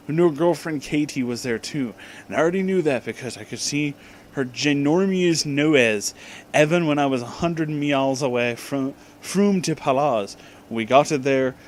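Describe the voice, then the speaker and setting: A man giving a comic dramatic reading, deliberately enunciating garbled words and dropping in casual asides. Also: mid-range voice, a little hiss or hum. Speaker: reader and commentator of bad fan fiction.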